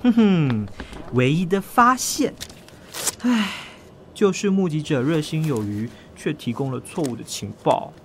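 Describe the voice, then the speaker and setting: A man's voice: fairly high pitch, expressive, unhurried, slight background noise. An actor playing a chatty, easygoing young rookie policeman who likes to grumble, in a Taiwanese-accented audio drama. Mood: playful, grumbling. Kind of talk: Mandarin audio drama acting.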